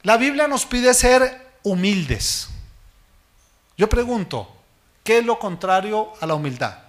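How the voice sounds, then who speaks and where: A man preaching a sermon as pastor, asking the congregation questions and answering them himself, and letting his voice fall low and soft at the ends of phrases. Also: animated, takes it slowly. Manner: speaks directly to the listener as "hermano".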